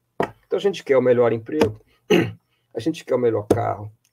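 Over noticeable background noise, a man talks at a fairly quick pace with lively intonation and a dark, mellow tone. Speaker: business school professor. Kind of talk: lecture. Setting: live online webinar. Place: home room. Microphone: webcam.

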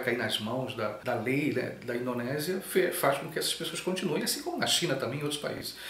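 The voice has lively intonation, and audible room echo fills the space. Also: man. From Brazil, Rio de Janeiro. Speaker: YouTuber, commentator. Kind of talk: video monologue, opinion commentary. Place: home room. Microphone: phone near.

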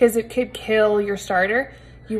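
At a moderate pace, a woman speaks in a somewhat breathy voice with fairly even intonation. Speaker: home baker vlogger. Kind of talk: tutorial. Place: kitchen. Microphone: phone near.

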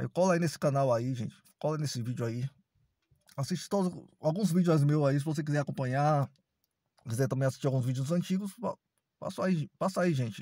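A man's fairly high, somewhat breathy voice with a dark, mellow tone, fairly quick pace, ordinary pitch variation and long, frequent pauses, in dry, close sound with no echo. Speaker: YouTuber teaching pixel art drawing. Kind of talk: casual tutorial. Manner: hurried.

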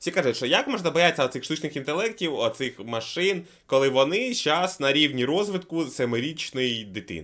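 On a very clean recording with a silent background, a man talks at a fairly quick pace in an animated tone that is bright and sharp, with lively intonation and vocal fry. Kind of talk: casual stream banter. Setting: livestream. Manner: joking, animated.

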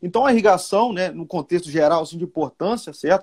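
Lively intonation at a fairly quick pace against a quiet background. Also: man. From Brazil, Espírito Santo (Rio Bananal); Espírito Santo, Brazil. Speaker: irrigation researcher and agronomist; guest. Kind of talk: live-stream interview, technical explanation. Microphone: video call.

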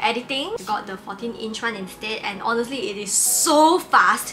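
Clear music can be heard in the background. Over it, a woman speaks fairly quickly. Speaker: lifestyle vlogger. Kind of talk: casual haul vlog chat. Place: home room.

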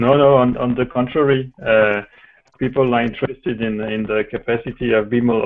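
A man with a French accent, moderate pace and fairly even intonation. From France. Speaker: BI consultant. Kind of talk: video call panel discussion. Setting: video call. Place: home room.

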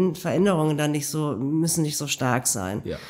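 The background stays quiet. A woman speaks at a moderate pace, her pitch varying in an ordinary way. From Lower Rhine, Germany (Krefeld area, rural); Lower Rhine, Germany. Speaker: linguistics professor and communications consultant; linguistics professor. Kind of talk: casual interview. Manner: hesitant, many fillers. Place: meeting room. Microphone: studio mic.

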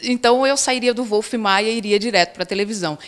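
Her pitch is fairly high, and this woman speaks at a fairly quick pace. The background is quiet. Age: 20s. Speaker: actress and acting teacher; actress guest. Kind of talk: TV talk show interview. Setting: studio. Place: studio. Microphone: handheld.

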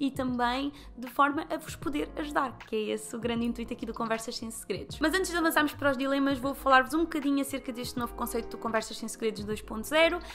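A woman's high-pitched voice at a very fast pace with hardly any pauses and ordinary pitch variation, faint music in the background. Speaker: podcast host. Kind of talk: casual podcast talk. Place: studio. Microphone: studio mic.

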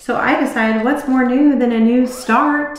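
A woman speaks at a fairly slow pace with ordinary pitch variation. Audible room echo surrounds her voice. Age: 40s. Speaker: cross stitch YouTuber. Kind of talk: casual vlog monologue. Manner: chatty, rambling with laughs. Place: home room. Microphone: webcam.

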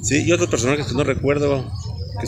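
Male speech, ordinary in pitch variation, with noticeable noise in the background. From Mexico, Michoacán. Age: 60s. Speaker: local livestreamer. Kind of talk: live stream commentary. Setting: outdoors. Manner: halting. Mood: relaxed, chatty. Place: street. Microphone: phone near.

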